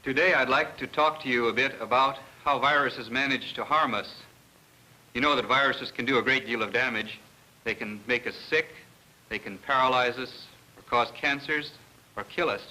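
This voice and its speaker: A man, a research scientist, giving an educational lecture in a measured, didactic way with pauses mid-sentence. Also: medium pitch, sharp tone, low-quality recording.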